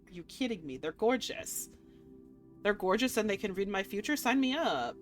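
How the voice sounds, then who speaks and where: Expressive woman streaming a visual novel. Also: medium pitch, moderate pace. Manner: expressive, playful, excitable. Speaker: game streamer reading a visual novel aloud. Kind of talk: expressive read-aloud mixed with casual reactions. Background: faint music.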